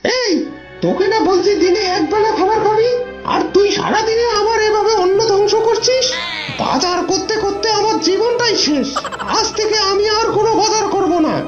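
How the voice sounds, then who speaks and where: Cartoon fox husband: woman as grumbling poor male, squeaky high voice, echoey sound with clear music. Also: normal speed. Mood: angry, grumbling. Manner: complaining, dramatic. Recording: dull, echoey audio over music.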